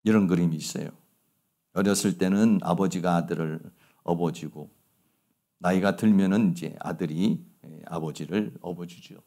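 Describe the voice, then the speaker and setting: A man's voice: low-pitched, moderate pace, warm tone. A middle-aged male pastor preaching a sermon, telling stories and asking rhetorical questions.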